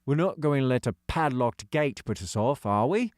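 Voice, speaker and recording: Earnest schoolboy hero, played by a male narrator, slightly bewildered, pitched up, expressive, children's audiobook. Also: moderate pace, no room sound, studio quality, lightly acted. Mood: determined.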